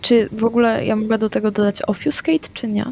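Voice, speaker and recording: A woman playing a tabletop vampire game, declaring her character's actions in a quick, plain manner. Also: a little high, level tone, gravelly, a little mellow, a little hiss or hum. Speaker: player.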